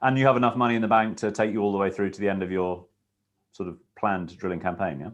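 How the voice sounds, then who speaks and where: A man's voice: fairly low pitch, fairly even intonation, quick pace. A man interviewing a business guest, asking questions with hesitant phrasing and repeated words.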